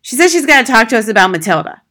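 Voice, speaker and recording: A man's voice: very high-pitched, sing-song, rapid-fire, sharp tone, pitched above the performer's own voice, exaggerated voice. A small, rude husband and father from a storybook, as acted out by a woman. He is snappish and brusque, dismissing people with impatient, ignorant bluster. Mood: grudging, snappish. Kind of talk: acted audiobook dialogue.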